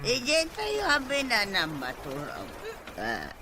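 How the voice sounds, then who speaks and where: A performer playing an elderly, fussy grandmother in an Ilocano drama, halting and full of hums and interjections. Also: medium pitch, wildly swooping pitch, full character voice. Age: older. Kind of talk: Ilocano audio drama acting. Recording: noisy amateur recording.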